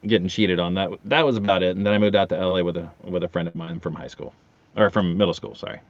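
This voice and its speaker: A man's voice: deep voice, quick pace, dry recording, highs cut off. A middle-aged man casually telling comic stories as a guest, with sardonic, self-deprecating jokes. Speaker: podcast guest, audio drama actor.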